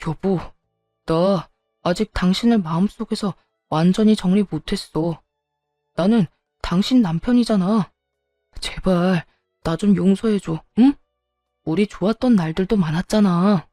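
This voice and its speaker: A woman's voice: medium pitch, a little slow, dark tone, no echo, faint music behind, close to an everyday voice. A woman voicing a self-pitying ex-husband who pleads, then turns petulant and defensive. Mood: pleading. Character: whiny self-pitying ex-husband, grown man.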